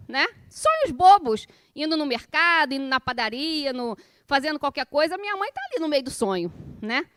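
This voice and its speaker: High-pitched Brazilian woman lecturing informally. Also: fairly bright tone, no echo, studio quality. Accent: Brazilian, from Rio. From Rio de Janeiro, Brazil. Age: 40s. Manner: engages listeners with questions and tag checks; conversational, colloquial, personal storytelling. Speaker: spiritist course lecturer.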